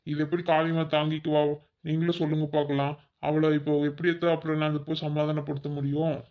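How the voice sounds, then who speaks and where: A man's voice: on the high side, level tone, quick pace, highs cut off, close to an everyday voice. A man voicing a middle-aged village father in a cartoon, with a Kongu Tamil accent, patient and persuasive. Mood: persuading.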